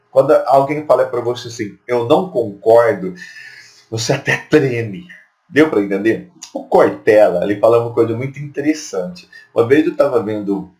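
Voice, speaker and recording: A man's voice: mid-range voice, darkish tone. A man with a Brazilian Portuguese accent teaching an exam-prep lesson in a chatty way, often checking in with rhetorical questions.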